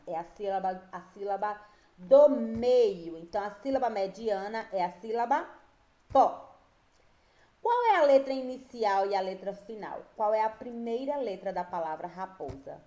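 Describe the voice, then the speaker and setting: A woman teacher, giving a slow and patient reading and spelling lesson to young children, often checking whether they follow. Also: mid-range voice, mellow, reverberant. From Brazil. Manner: slow, patient, drawn-out words, frequent checks with pupils. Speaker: primary school teacher.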